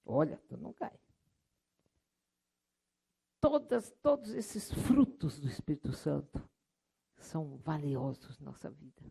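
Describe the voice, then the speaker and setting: A middle-aged Brazilian woman missionary preaching a sermon, lively and storytelling, acting out voices from her anecdotes. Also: sits low, slow pace, vocal fry, pauses often, breathy edge. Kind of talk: sermon with object lesson.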